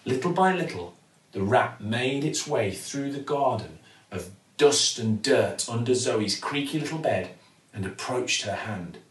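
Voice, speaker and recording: A British man in his forties reading a children's bedtime story expressively, with theatrical pauses and emphasis. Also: medium pitch, lively intonation. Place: living room at home, indoors. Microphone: camera or phone a few feet away. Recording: roomy, mic at some distance.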